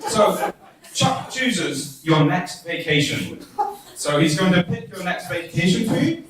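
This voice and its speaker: A man from the UK, presenting his team's coding bootcamp app in a relaxed, chatty way. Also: high voice, a little slow, over a noisy crowd. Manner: relaxed, chatty, laughs at his own demo. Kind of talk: demo presentation. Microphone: distant from the mic. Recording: echoey hall audio from far off.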